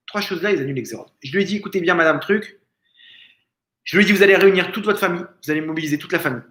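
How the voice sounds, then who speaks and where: Man, rabbi, lively storytelling lesson, higher voice, echoey room. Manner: animated storytelling, acting out quoted speakers. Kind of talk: Torah lesson told as a story. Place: family home.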